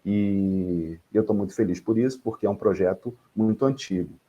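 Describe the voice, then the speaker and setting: Low-voiced, unhurried man. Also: dark tone, husky, lo-fi sound. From Rio de Janeiro, Brazil. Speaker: author on a panel. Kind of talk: self-introduction on a panel. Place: home study.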